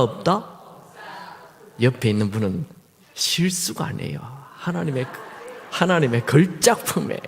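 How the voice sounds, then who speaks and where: A middle-aged male guest pastor preaching a sermon in a church, telling humorous stories in an animated way. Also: mid-range voice. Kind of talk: sermon with storytelling. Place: church sanctuary. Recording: reverberant church hall.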